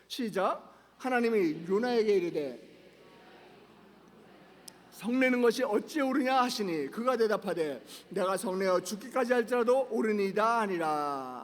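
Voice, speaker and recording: Pastor guy preaching, voice way up high, goes loud then hushed, asks the crowd stuff, big echoey church. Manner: impassioned, asks the congregation questions, swings from loud to hushed. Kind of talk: sermon. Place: church sanctuary. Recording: long reverb of a large church hall.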